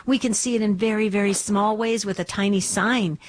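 A woman hosts a religious call-in radio show and talks to callers with enthusiasm. Her voice sits at a middle pitch, and she often repeats words as she builds her points. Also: fairly even intonation, fairly quick, a little hiss or hum.

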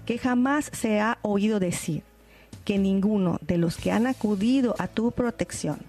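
A woman hosting a Catholic radio talk show, leading prayers in a measured, prayerful way. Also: medium pitch, warm tone. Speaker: radio host.

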